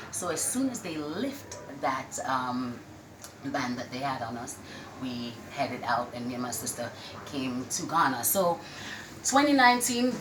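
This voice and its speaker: A woman answers interview questions. She tells her story casually, in an echoey space with clear background noise behind her. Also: very deep voice. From Jamaica. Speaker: restaurant owner, interview guest. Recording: echoey room with loud-ish background noise.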